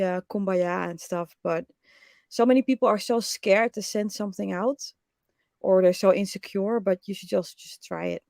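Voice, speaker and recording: A woman with a raspy, gravelly voice chats frankly and eagerly as a podcast guest. Her sound is dry and close, with no room around it, and her pitch sits in the middle range. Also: dry recording. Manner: enthusiastic, frank, with fillers. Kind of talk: casual interview chat.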